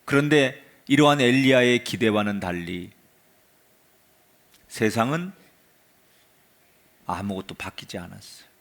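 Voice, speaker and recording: A man preaching a sermon in a church as pastor, swinging from a raised voice to hushed murmurs and leading the congregation in call-and-response. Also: mid-range voice, unhurried, long pauses.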